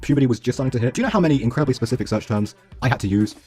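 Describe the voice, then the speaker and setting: A man's voice: mid-range voice, expressive, racing, mellow, breathy edge, soft background music. A man in his twenties reads a scripted rant. He talks in a heated, profane way and throws insults. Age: 20s. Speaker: YouTuber responding to a critic.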